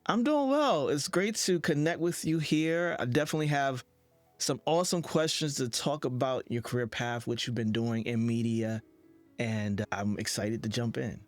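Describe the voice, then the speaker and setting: A man's voice: medium pitch, normal speed, no room sound. Male interview host over music. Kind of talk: conversational interview hosting.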